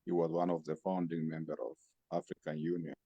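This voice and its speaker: Man, Ethiopian accent, measured radio guest, deep mellow voice, dull audio. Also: little pitch movement, no echo. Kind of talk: measured interview answer. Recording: dull, lo-fi sound.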